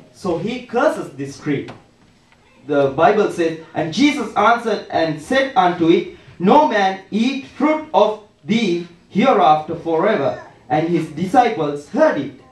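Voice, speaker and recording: With very wide pitch swings, a man talks at a fairly slow pace amid audible room echo. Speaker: preacher. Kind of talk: sermon. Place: church.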